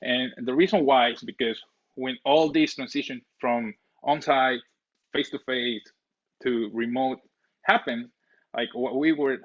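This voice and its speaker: A man's voice: medium pitch, fairly even intonation, measured pace, lo-fi sound. A man from El Salvador talking casually as a webinar co-host, often repeating his words.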